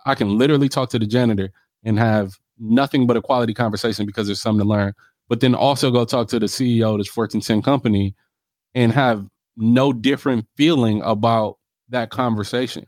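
A man's voice: medium pitch, a little mellow, no echo, clean studio sound. A man with an African American accent talking casually in an interview, emphatic and self-assured, often punctuating his points with "right?". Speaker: real estate developer being interviewed.

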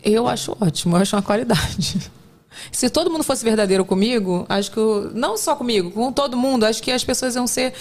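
A woman's voice: fairly high pitch, fairly quick. A woman hosting a casual interview, bubbly and enthusiastic. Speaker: podcast host.

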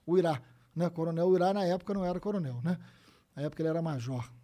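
A man, telling stories as a guest in a casual conversation, animated and full of swearing. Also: a little high, very fast. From Brazil. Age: 50s. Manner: animated storyteller, frequent swearing and "né?" tags.

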